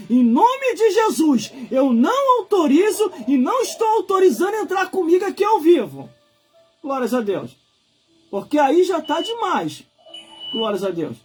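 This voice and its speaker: A man in his forties with a Brazilian accent, preaching informally on a livestream in an emphatic, colloquial way, repeating phrases for effect. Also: very high voice. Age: 40s. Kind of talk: informal live sermon.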